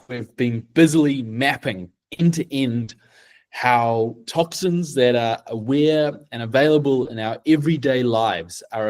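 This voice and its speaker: A middle-aged man with a New Zealand accent, presenting a team project in a deliberate, measured way. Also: mid-range voice.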